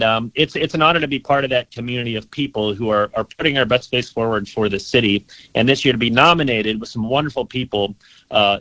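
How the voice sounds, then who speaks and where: A young man who works as a museum tour guide, answering interview questions eagerly and repeating words as he rushes. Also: medium pitch, sharp tone, no room sound, low-quality recording. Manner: eager, enthusiastic, repeats words when rushing.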